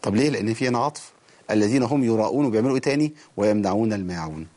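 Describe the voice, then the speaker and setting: With a fairly low pitch and darkish tone, a man speaking with an Egyptian Arabic accent teaches Quran recitation on a TV program, giving the rules in plain language and reciting verses in a slow, drawn-out way.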